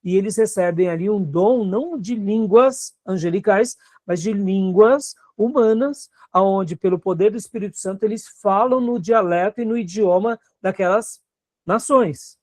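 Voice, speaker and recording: Brazilian pastor teaching a Bible class. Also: male voice, high voice, moderate pace, darkish tone, no room sound, studio quality. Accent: Brazilian Portuguese. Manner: conversational, checks in with the class often.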